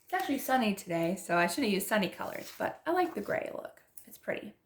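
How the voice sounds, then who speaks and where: A young woman vlogs about her planner as she decorates it, her nose stuffy from allergies. She speaks quickly in a sing-song, medium-pitched voice, chatty and gushing, often starting her sentences over.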